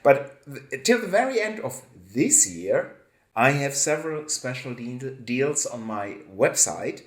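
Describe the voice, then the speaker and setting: German guy hosting, slow and hesitant, roomy echo on a video call. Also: medium pitch, very animated. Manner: hesitant, halting, laughs often. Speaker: host. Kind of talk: casual chat.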